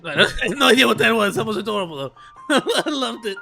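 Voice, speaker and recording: A man streaming live, reacting to videos with loud laughs and excited outbursts. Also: sits high, fast, vocal fry, soft background music.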